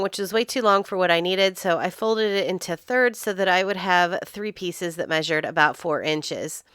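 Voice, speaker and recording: A woman's voice: mid-range voice, a bit bright, smooth, no room sound, studio quality. A woman hosting a craft channel, walking through a tutorial step by step in an upbeat, chatty way, her voice a little nasal because she is getting over a cold.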